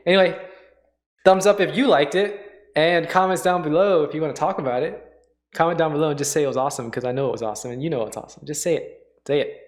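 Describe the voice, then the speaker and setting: A male host talks casually in a medium-pitched voice, as if thinking aloud. His commentary is unscripted and halting, musing as it goes. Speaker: host, livestreamer reacting to radio dramas.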